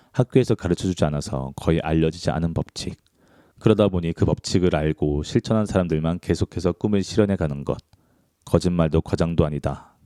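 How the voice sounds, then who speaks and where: A man reading a self-help book aloud in an audiobook style, calm and measured. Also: sits low, no room sound, clean studio sound. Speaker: book reader.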